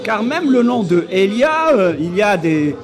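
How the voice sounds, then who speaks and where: A man preaching an emphatic sermon, often shouting, at a live church service. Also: sits high, big pitch swings, unhurried. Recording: live church recording with music and crowd.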